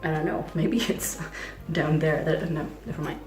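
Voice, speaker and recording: A young trans man talking in a casual video diary, hesitant and full of fillers, with a fragile voice that sometimes skips between low and high. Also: moderate pace, echoey room, over music. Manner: hesitant, many "like" fillers, nervous laughs. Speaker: vlogger.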